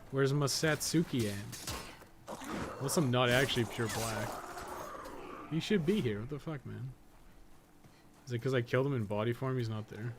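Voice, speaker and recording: A man's voice: medium pitch, moderate pace, long pauses, noisy background. A man giving casual, profane live game commentary, chatting informally and often muttering to himself as he plays. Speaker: gaming podcast co-host.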